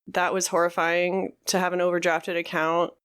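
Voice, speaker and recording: A woman co-hosting a podcast, talking frankly in a halting way with many fillers. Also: on the low side, little pitch movement, clear, resonant tone. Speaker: podcast co-host. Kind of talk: candid conversational podcast talk.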